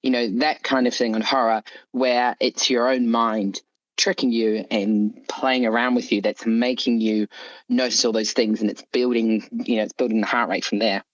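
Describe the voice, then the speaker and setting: A man's voice: medium pitch, little pitch movement, moderate pace, no echo. Guy guest on an interview just chatting, rambly, lots of filler, dry kinda lo-fi sound. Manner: rambling, hedging with frequent "you know" and "like". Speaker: interview guest, horror story author. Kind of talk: casual interview chat.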